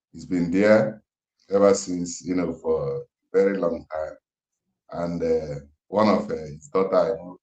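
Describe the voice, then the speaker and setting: Deep-voiced Nigerian man on an echoey phone call. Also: darkish tone. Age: 50s. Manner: slow, emphatic, grave. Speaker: interviewer on a call. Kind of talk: impassioned questioning, near-sermon.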